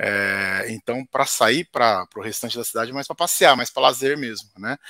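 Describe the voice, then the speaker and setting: Speaking at a moderate pace and medium pitch, a man has a bright, sharp tone with ordinary pitch variation and big swings in loudness. The sound is dry and close, with no echo. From northern São Paulo state, Barretos. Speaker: pulmonologist. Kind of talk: podcast interview.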